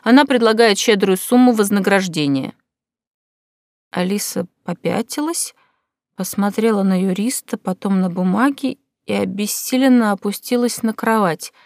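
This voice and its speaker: A woman narrates an audiobook with a measured, expressive delivery. Her voice sits in a middle pitch for a woman. The recording is dry and close, with no room sound. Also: dry recording.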